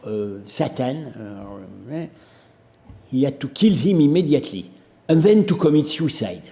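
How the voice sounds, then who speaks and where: French-accented male professor, warm low-key tone, careful halting lecture delivery. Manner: measured, hesitant with fillers and restarts. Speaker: professor giving a seminar. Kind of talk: academic lecture reading quotations.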